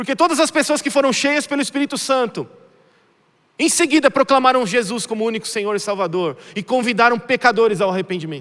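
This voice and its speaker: A man's extremely high voice, bright and sharp in tone, with lively intonation and a fairly quick pace. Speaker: pastor. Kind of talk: sermon. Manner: fast.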